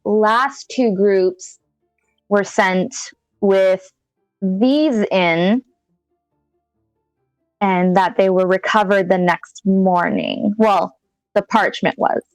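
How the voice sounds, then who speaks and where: A woman game master narrates a tabletop adventure. Her voice is smooth and unhurried, with halting improvised phrasing. Faint music plays behind a dry, close recording. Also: mid-range voice, no room sound.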